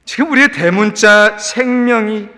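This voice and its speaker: A male pastor preaching a sermon in an animated way, dropping English words into his talk. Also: high-pitched, unhurried, in a large hall. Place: church sanctuary.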